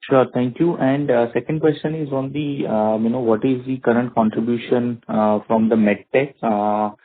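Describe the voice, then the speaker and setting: A man with an Indian accent asking questions as an analyst on an earnings call, in hesitant, halting phrases. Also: mid-range voice, steady tone. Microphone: phone call. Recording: narrow tinny phone-line audio.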